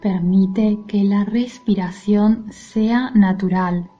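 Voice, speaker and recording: A woman leading a guided mindfulness meditation in a soothing, gentle, soft-spoken manner. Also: medium pitch, steady tone, slow pace, muffled recording. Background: music.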